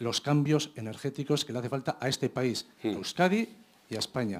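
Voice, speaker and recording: With a normal speaking voice, a man speaks at a moderate pace in a fairly high voice with lively intonation. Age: 50s. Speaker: audience member. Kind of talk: audience question. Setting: lecture hall with audience.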